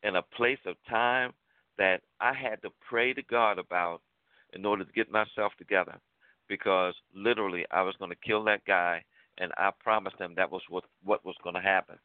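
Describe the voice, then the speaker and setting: A man's voice: low voice, moderate pace, no room sound. Man telling a story over a tinny line. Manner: animated storyteller, acts out quoted lines, colloquial. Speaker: radio talk show co-host. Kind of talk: storytelling on a call-in talk show. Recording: tinny phone-line sound, dry.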